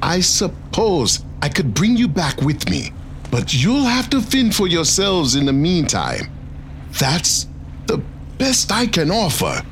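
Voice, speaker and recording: A fussy, stern skipper played by an actor in an audio drama. The delivery is formal and slow with animated pitch, over faint boat noise. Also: full character voice. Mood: stern, measured. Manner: formal, clipped, indignant.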